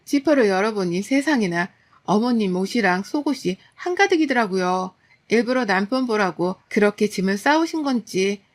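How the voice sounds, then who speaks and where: A woman in her thirties narrating a first-person story in a steady, aggrieved, confiding tone. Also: a little high. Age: 30s.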